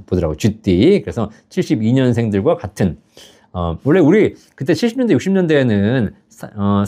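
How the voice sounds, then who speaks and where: A man's voice: mid-range voice, dark tone. A man in his fifties hosting a live pension advice stream, reading out viewer questions and answering them in a chatty way, laughing at his own stories and often checking "right?" with the audience. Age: 50s.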